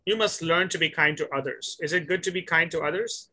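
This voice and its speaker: A male English tutor with a very bright, sharp and fairly high voice, patiently walking a student through simple questions over a video call. He repeats and gently corrects her answers, praising her along the way. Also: fairly quick. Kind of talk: one-on-one online conversation lesson.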